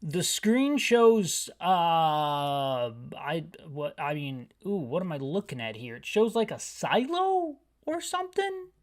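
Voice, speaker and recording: A man's voice: a little high, big pitch swings, slow pace. A man in his thirties giving rambling, hyper gameplay commentary as he describes a video game aloud for listeners. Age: 30s. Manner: rambling, hyper, self-deprecating. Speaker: gaming YouTuber.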